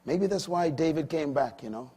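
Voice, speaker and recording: An older man preaching a sermon, swinging from loud emphatic peaks to quiet low asides. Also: lively intonation, moderate pace, slightly rough.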